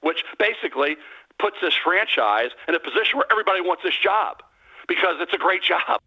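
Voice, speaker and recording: A man in his sixties calls in over a landline phone, his voice coming through a dull lo-fi line. He talks very fast in blunt, emphatic bursts, with a slightly high, husky voice. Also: expressive. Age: 60s. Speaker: phone-in guest on a sports radio show. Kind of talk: sports radio call-in opinion. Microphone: landline telephone.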